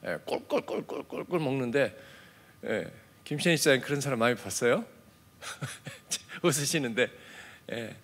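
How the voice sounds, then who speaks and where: A man preaching an early-morning sermon as a pastor in a conversational way, dotting his talk with affirming fillers and moving from soft asides to emphatic points. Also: medium pitch, animated, unhurried. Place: church.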